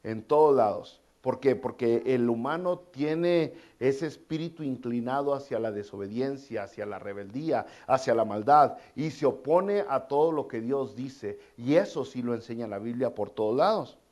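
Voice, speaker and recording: A man's voice: medium pitch, lively intonation, normal speed, few pauses, a little mellow. A male pastor, preaching a sermon in a conversational way, with casual asides and repeated phrases.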